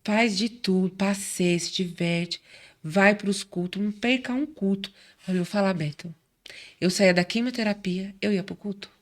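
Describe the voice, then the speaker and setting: A woman's voice: medium pitch, normal speed. A middle-aged woman from Brazil telling her faith story in casual chat, acting out quoted voices as she goes. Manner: warm chatty storyteller, acts out quoted voices. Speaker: guest.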